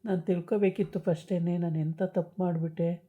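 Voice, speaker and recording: A woman's voice: lowish voice, fairly even intonation, fairly quick, phone-quality sound, close to an everyday voice. A woman voicing a tearful young wife full of regret, quoted in a casual retelling of a story. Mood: regretful.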